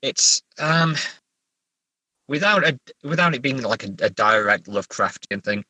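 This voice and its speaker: A man's voice: mid-range voice, expressive, measured pace, pushed and bright, no echo, poor audio. A middle-aged man chatting casually as a guest writer, hesitant and self-deprecating, often stammering. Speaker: guest writer discussing own story. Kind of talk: casual interview chat.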